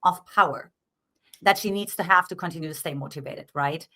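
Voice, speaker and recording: Her voice fairly low, quick, pushed and bright, a middle-aged dating coach from Eastern Germany explains her thinking earnestly in an interview. She has a German accent and keeps asking "right?"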